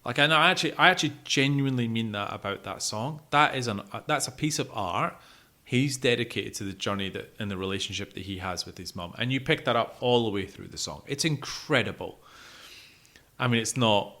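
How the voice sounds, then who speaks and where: A man's voice: medium pitch, expressive, brisk, sharp tone. A man co-hosting a music podcast, talking casually and emphatically with plenty of swearing and repeating himself for stress. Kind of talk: casual opinionated music discussion.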